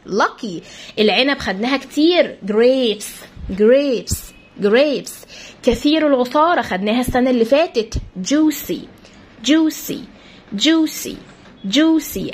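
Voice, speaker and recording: An Egyptian woman teaching English vocabulary to children, her voice high and husky. She swings her pitch up and down, repeats each word and spells it out letter by letter, and coaxes the pupils along as she goes. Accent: Egyptian Arabic. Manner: coaxing, addresses pupils directly.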